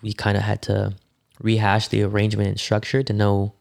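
A man, a rapper and musician, telling stories in a relaxed casual interview, with many fillers and restarts. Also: fairly low pitch, fairly quick, vocal fry. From United States.

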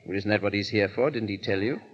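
An actor playing a foppish, dithering English aristocrat who stammers and drawls with silly exclamations, in 1930s radio drama style. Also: male voice, on the low side, fast, lightly acted. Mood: dry, teasing. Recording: dull old radio broadcast.

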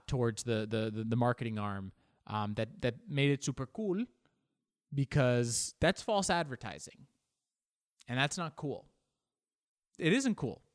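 A man's voice: medium pitch, no echo, clean studio sound. A man riffing in a comedic monologue, sarcastic and rambling, often restarting his sentences.

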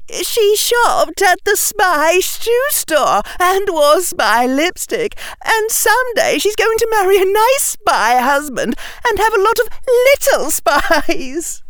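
A man performs a giggly, mocking young girl in a storybook reading. Her voice is high and sing-song, and she drawls each teasing phrase slowly. The recording is dry. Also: sing-song, fairly bright tone, dry recording, exaggerated voice.

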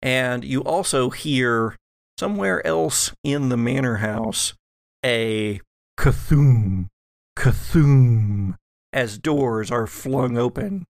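A man narrating a tabletop horror game as game master, deliberately and with dramatic pauses. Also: mid-range voice, vocal fry, no echo, clean studio sound.

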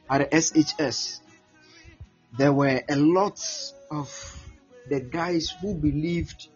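A Ghanaian man preaching a teaching sermon, repeating words often as he explains. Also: on the high side. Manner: repeats words, animated, acts out prayers and voices. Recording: muffled lo-fi with faint music.

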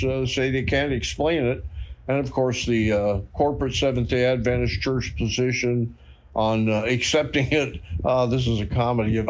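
Man, mid-pitched voice, faith testimony, lots of fillers, firm views. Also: darkish tone, low-quality recording. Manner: hesitant, many fillers, firm convictions. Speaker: church member giving a testimony.

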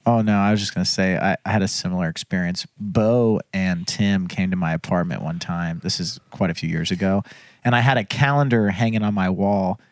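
A man's voice: low-pitched, steady tone, a little fast, no echo. A man in his mid-twenties from Florida, a band member telling stories in a casual, self-deprecating way and laughing often. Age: 20s. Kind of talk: casual interview.

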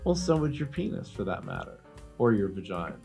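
A man's voice: low voice, very animated, brisk, vocal fry, warm tone, faint music behind. A man co-hosting a casual comedy podcast, joking crudely and teasing his friend. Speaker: podcast co-host.

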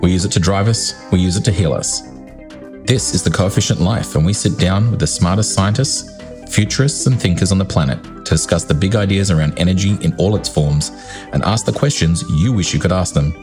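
A man's voice: deep voice, fairly quick, over music. A man co-hosting a podcast, reading a scripted introduction in an upbeat, announcer-like way. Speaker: podcast co-host.

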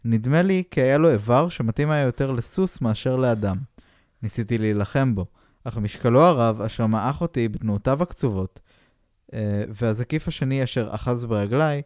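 A man, a podcast co-host, reading a pulp novel aloud in a flat, deadpan way. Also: medium pitch, dry recording, studio quality.

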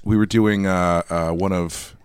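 A man's voice: sits low, steady tone, measured pace, smooth, no echo, studio quality. A man co-hosting a podcast in casual chat, hesitant and often restarting his sentences. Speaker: podcast co-host.

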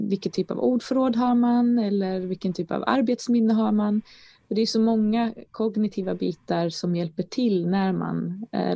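A woman's voice: mid-range voice, vocal fry, a little mellow, dry recording, muffled recording. A woman speaking as a researcher in a conversational interview, explaining her field in a hesitant, thoughtful way. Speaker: education researcher, interview guest.

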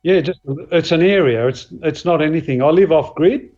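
A man's voice: a little high, moderate pace. Modest Australian man, slightly muffled audio. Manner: modest, hesitant, many fillers and restarts. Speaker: guest axe and knife maker. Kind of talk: casual podcast chat.

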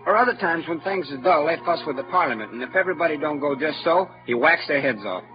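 In a dull, lo-fi old-time radio drama with music, an actor plays Huck, a clever, boastful frontier boy speaking in a rural Southern dialect. His voice is a little high, animated and quick, close to everyday speech. He lectures in a bright, showy, know-it-all manner.

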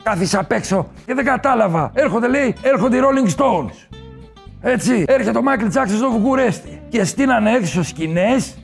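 Brash bragging nightclub king, very high voice, gravelly, loud comic swagger. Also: expressive, faint music behind, exaggerated voice. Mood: boastful. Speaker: comic guest character. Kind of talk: comedy sketch interview.

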